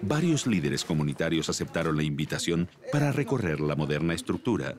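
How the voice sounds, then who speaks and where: A man narrating a news feature in a measured, formal scripted voice. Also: very deep voice, very animated, a crowd in the background.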